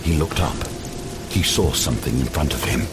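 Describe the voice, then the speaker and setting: A man with a gravelly voice delivering dramatic scripted narration for a gothic horror audio drama. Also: very deep voice, animated, moderate pace, heavy background noise. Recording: loud cinematic music and rain behind.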